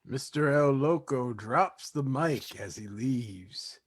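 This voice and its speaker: Slow-paced male narrator. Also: medium pitch, animated. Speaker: narrator reading stage directions. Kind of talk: scripted narration in staged reading.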